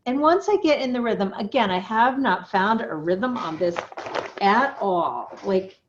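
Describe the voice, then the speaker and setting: A woman's voice: mid-range voice, lively intonation, unhurried. A middle-aged woman co-hosting a casual stitching chat, chatty and giggly. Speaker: flosstube co-host. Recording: dull lo-fi sound with faint noise.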